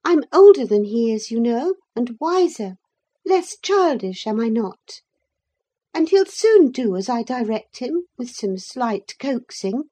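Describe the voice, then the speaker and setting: A woman's voice: very animated, unhurried, dark tone. A woman doing a headstrong teenage girl. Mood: coaxing. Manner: eager, high and emphatic.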